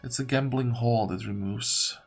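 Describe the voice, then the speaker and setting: A man talks casually through his own game, weighing each choice aloud. His voice is somewhat husky, and music plays softly behind him. He works through decisions step by step in a musing way. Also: medium pitch, a little slow. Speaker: gamer narrating own playthrough. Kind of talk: casual gameplay commentary, thinking aloud.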